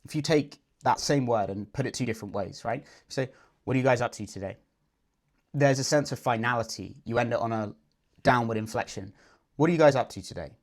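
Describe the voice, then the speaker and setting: A dating coach with a brisk, medium-pitched voice confidently explains and dissects a client's approach. It's video breakdown commentary.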